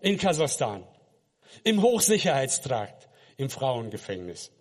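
A man's voice: medium pitch, sing-song, measured pace, big-room sound. A man from Kazakhstan, a missionary preacher, giving an earnest personal faith testimony and speaking directly to the listener.

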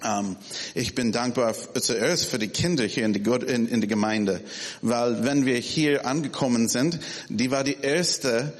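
Man in his forties, non-native speaker, slow halting delivery, long hall reverb. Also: mid-range voice. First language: not German. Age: 40s. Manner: halting, searching for words, many restarts. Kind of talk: informal church talk. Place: church hall.

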